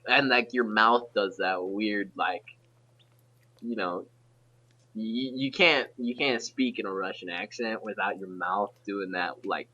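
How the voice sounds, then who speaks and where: Young male podcast host, bright and forceful tone, rambling casual delivery, dull lo-fi audio. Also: on the low side, slightly rough. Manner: rambling, halting restarts. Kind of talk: casual chat.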